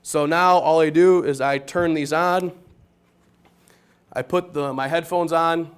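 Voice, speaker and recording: A man who teaches geometry speaks in a loud, smooth, resonant voice. He explains his classroom setup plainly, one step at a time, like a demonstration for colleagues. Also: fairly high pitch, fairly even intonation, takes it slowly. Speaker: high school geometry teacher.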